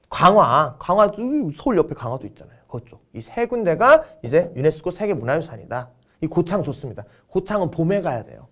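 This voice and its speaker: A man gives an exam-prep history lecture in a joking, storytelling manner. His voice sits a bit high and swings widely in pitch, and he drags out words for effect.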